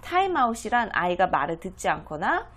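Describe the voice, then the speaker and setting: A woman giving a home English lesson, explaining each phrase and repeating the English lines slowly. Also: mid-range voice, very animated, fairly bright tone, slightly rough. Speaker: English teacher for parents. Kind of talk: slow, deliberate language lesson.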